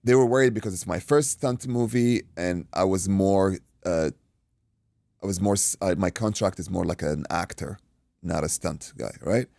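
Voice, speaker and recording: Podcast guest, Iraqi-born man, deep and gravelly, animated storyteller who swears freely. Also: moderate pace, no echo, clean studio sound. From Iraq. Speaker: guest, boxing coach. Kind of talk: casual storytelling.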